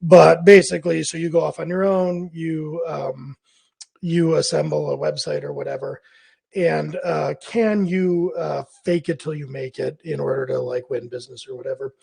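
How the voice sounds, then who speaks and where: A man hosting a freelance business advice video, his voice hoarse and scratchy as he recovers from laryngitis. He rambles and thinks aloud, correcting himself as he goes. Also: fairly high pitch, steady tone, normal speed, a little mellow. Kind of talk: casual advice monologue.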